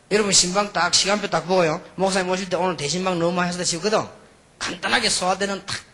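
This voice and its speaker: Animated, high-voiced male preacher, a little husky. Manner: animated storytelling, mixes quiet asides with emphatic outbursts. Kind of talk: sermon with anecdotes.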